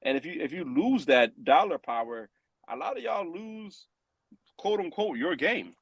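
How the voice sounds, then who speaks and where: A man with a fairly high voice, opinionated and animated as he talks things over on a podcast. His delivery is emphatic, climbing into exclamations when he makes a point, and the sound is dry and close with no room echo. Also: a little slow, slightly rough. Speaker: podcast panelist. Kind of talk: casual opinionated chat.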